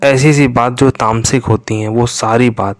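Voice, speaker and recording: A man slowly telling a true horror story, his voice sinking to a whisper at tense moments. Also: mid-range voice, fairly even intonation. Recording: faint music behind.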